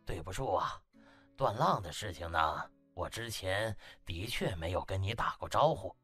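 Man acting a falsely genial, low-voiced scheming official. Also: fairly bright tone, slightly rough, exaggerated voice. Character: scheming male hospital party secretary, falsely genial, domineering.

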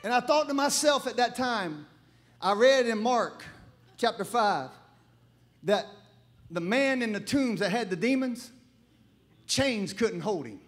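A middle-aged male pastor, preaching a sermon full of humorous, animated stories and bursts of shouting. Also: very high voice, a little slow, long pauses. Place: church.

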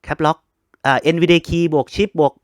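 A man's voice: on the high side, unhurried, no room sound, studio quality. A man hosting a casual computer tutorial, chatting to viewers and spelling out keyboard shortcuts step by step. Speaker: host of a computer help channel. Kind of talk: casual screen-reader tutorial.

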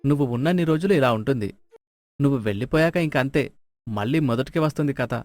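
An actor playing a mild, long-suffering village farmer and husband. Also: male voice, medium pitch, expressive, fast, darkish tone, close to an everyday voice. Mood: wry, doubtful. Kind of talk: moral storybook character voice. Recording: music behind the voice.

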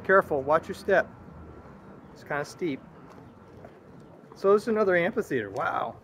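A man in his forties talks casually while strolling outside, his voice a touch high and rising and falling in a lively way. He asks questions and muses aloud as he walks. The camera is held at arm's length, with faint city noise around him. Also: moderate pace. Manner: relaxed, wondering aloud, asks many questions. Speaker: father filming a walking tour. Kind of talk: casual chat while walking. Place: outdoors on a sunny city plaza with metal walls and gardens. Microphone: 360 camera on a stick at arm's length.

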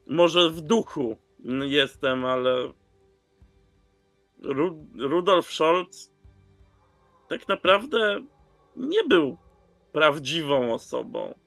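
A man in his thirties speaks very slowly in a bright, slightly high voice. He is a player telling his part of a tabletop roleplaying story. The sound is dry, with music behind it. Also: expressive, creaky, no room sound. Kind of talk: slow in-game storytelling.

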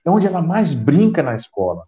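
His voice is a little high and sing-song, brisk with a warm tone. A middle-aged Brazilian guest with a Brazilian Portuguese accent, he gives long explanations full of restarts during a casual video call whose audio is roomy and dull.

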